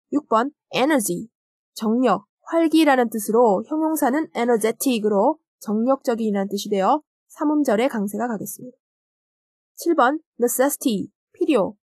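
A woman with a fairly high voice gives a recorded English lesson. She reads each example sentence slowly and carefully. The sound is close and dry, with no room around it. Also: darkish tone, no room sound. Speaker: English teacher. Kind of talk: recorded grammar lecture.

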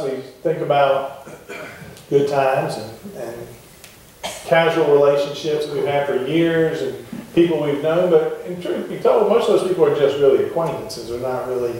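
A man's voice: fairly high pitch, a little mellow. Man preaching in an echoey church. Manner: conversational, asks the congregation questions. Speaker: pastor. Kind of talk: sermon. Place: wooden church sanctuary with congregation. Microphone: far camera at the back of the church. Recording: echoey church heard from far off.

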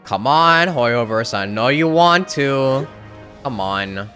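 A man's voice: mid-range voice, expressive, takes it slowly, pushed and bright, soft background music. A man giving casual livestream commentary on a game, with wry, offhand remarks. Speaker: game streamer. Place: indoor stream setup, game music behind.

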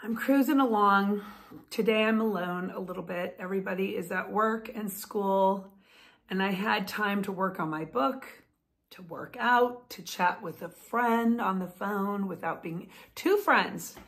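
A woman's voice: medium pitch, a little slow, fairly bright tone. A woman in her fifties talking casually to camera at home, chatty and enthusiastic, gesturing with her hands as she talks. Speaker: vlogger and author. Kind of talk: casual talking-head vlog. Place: home room, indoors. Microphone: phone or webcam close up.

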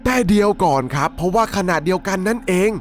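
A man with a voice that sits high talks fast over faint background music. As a storyteller and channel host, he narrates a dramatic horror story recap, speaking conversationally and politely to his listeners along the way.

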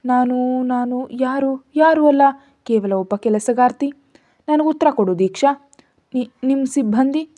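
A timid, hopeful young office assistant, as the woman narrator voices her, hesitant and faltering over her words. Her tone stays mellow and soft-edged. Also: high-pitched, measured pace, voice pushed up. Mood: flustered.

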